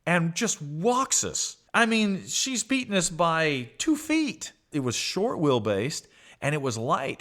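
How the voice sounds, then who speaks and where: Man, podcast host, storytelling, swooping expressive pitch, animated, acts out voices.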